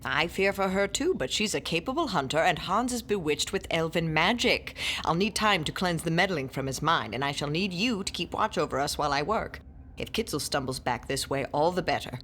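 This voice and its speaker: A woman's voice: low voice, expressive, fairly quick, a bit bright, a little hiss or hum. A woman playing a shrewd, scholarly older classicist who tells tales and scolds her companions in a theatrical manner. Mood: grave. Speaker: narrator and lead character. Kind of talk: audio drama acting.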